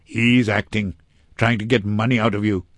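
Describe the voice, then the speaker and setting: A man's voice: fairly low pitch, flat delivery, normal speed, no room sound, clean studio sound, lightly acted. A man voicing an irritable, cynical man in a storybook, curt and impatient in his delivery. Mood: dismissive.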